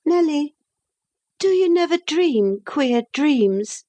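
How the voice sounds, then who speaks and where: A woman's voice: high-pitched, expressive, slow pace, warm tone, voice pushed up. A woman reading a passionate, moody young woman in an audiobook, speaking in an impassioned, emphatic way. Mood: intense. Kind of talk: audiobook character voice.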